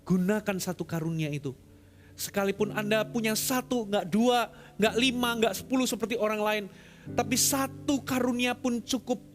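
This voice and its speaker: A man preaching a sermon as pastor, swinging between loud emphatic lines and hushed, quiet ones. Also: high voice, normal speed.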